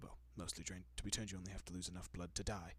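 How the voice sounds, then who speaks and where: A man plays a courteous vampire gentleman in an intimate audio roleplay. His voice is low and husky, slipping often into whispers, captured very dry. He soothes and reassures with polite, old-fashioned tenderness and a quietly possessive air. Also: level tone, racing, no echo. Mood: coaxing, tender. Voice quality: soft, breathy, often dropping to a whisper.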